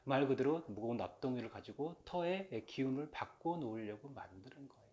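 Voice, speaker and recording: A man's voice: mid-range voice, expressive, fairly quick, dark tone, dull audio. A man hosting his own channel, giving a casual, rambling lecture on folk religion with lots of fillers and joking asides. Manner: rambling and chatty, with many fillers and self-aware jokes; playfully mimics regional dialects. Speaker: channel host talking about folk religion.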